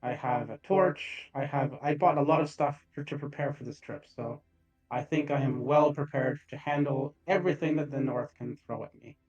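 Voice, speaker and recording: A man voicing a clumsy, magic-powered robot traveler through a light robotic voice changer, speaking haltingly. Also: a little high, darkish tone, muffled recording, soft background music. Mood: earnest. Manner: halting, stumbling over words. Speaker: player voicing his character.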